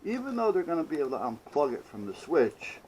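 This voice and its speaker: A man's voice: fairly high pitch, big pitch swings, quick pace, darkish tone, a little hiss or hum, low-quality recording. A man chatting casually through a hands-on workshop project, rambling and muttering to himself with playful asides. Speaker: hobbyist maker hosting own workshop videos.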